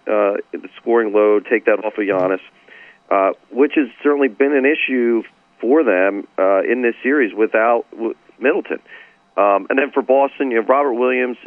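Hoarse man over a tinny phone line. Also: mid-range voice, dry recording. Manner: measured betting analysis with frequent "uh" fillers. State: hoarse, partly lost voice. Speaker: sportsbook director guest. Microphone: phone call.

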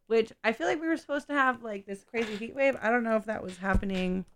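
A woman's voice: a little high, fast talker, slight background noise. A woman hosting a community radio show, chatting casually, often laughing and trailing off mid-sentence. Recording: radio studio.

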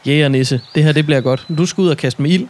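Confident coaxing player, fairly high voice. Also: male voice, a little mellow, slight background noise. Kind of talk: tabletop role-play in character.

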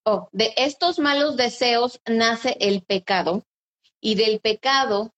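A woman's voice: fairly high pitch, slow, a bit bright, lo-fi sound. A woman co-hosting a casual Bible discussion, often affirming and reading scripture aloud. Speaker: co-host of a Bible talk show.

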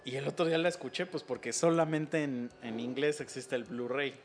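A man's voice: mid-range voice, steady tone, fairly quick. A man with a Mexican accent hosting a casual, slangy chat, talking animatedly and laughing often.

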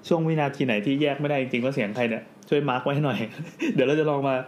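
Male podcast host, rapid banter, playful and quick to laugh. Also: medium pitch, slight background noise. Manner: quick, jokey, laughs often. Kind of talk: casual chat.

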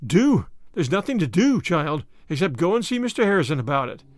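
A man voicing a stern, practical older woman guardian who speaks in a scolding, brisk way. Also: a little high, big pitch swings, no room sound, studio quality.

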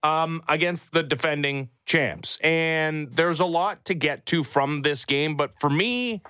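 A man's voice: on the high side, slow, pushed and bright, clean tone, dry recording. A man hosting sports talk radio, emphatic and opinionated, close on a studio mic. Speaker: sports radio morning show host. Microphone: close studio microphone.

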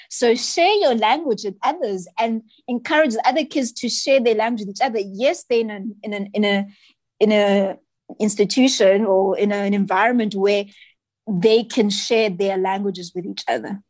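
A woman's voice: medium pitch, a little mellow, no room sound. A South African woman, a children's author, chatting as an interview guest and telling stories with many "you know"s and "right"s. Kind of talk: casual interview chat.

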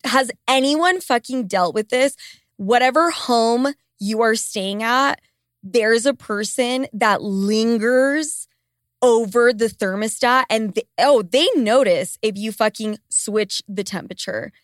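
A woman in her late twenties, her voice a little high and congested as if her nose is stuffed up, talks slowly into a close studio microphone in a small basement home studio. As a solo host she's casual and candid, swearing and grumbling comically. The sound is studio quality, with no echo.

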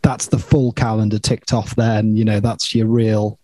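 A man with a husky, unpolished voice at an ordinary pitch hosts a casual sports discussion. He talks discursively, tagging points with questions, in a dry, close sound. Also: little pitch movement, normal speed, mellow, no room sound. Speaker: podcast host steering the agenda.

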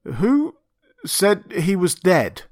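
A man voicing a dull, half-drunk man in an audiobook story, slow and muddled in his speech. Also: high voice, huge pitch swings, darkish tone, voice pushed up, heavily acted. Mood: drunken, demanding.

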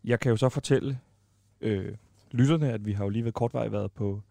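Male comedy podcast host, excitable, hesitant delivery. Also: lowish voice, vocal fry, dry recording, studio quality. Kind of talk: on-location comedy reportage.

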